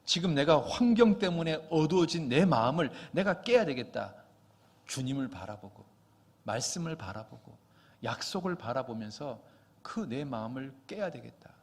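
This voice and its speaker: A man preaching a Sunday sermon, swinging from quiet reading to loud, impassioned exhortation. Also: mid-range voice, lively intonation, normal speed, husky. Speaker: pastor. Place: church sanctuary. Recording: long church reverb.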